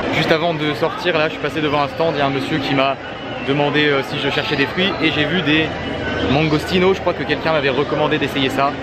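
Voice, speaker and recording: Crowd noise fills the background as a man speaks at a fairly quick pace. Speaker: travel vlogger. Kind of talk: casual vlog chat. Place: market. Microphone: phone near.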